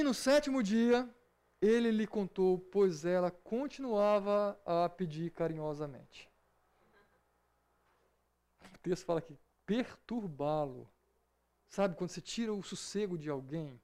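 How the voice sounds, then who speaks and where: High-voiced Brazilian man teaching scripture. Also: darkish tone. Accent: Brazilian Portuguese. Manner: conversational, keeps checking in with the listener. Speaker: Bible teacher. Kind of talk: informal Bible study lesson.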